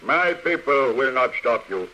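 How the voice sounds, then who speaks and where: An actor playing a stern, suspicious Old West tribal leader who speaks in terse, commanding broken English, in old-time radio style. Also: male voice, mid-range voice, sing-song, unhurried, pushed and bright. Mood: stern, guarded. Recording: noisy old radio recording.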